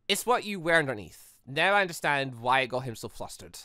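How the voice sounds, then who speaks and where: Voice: medium pitch, very animated, a little fast, pushed and bright, no echo, clean studio sound. A gamer voicing a teasing but concerned young woman from a visual novel. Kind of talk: visual novel dialogue read aloud.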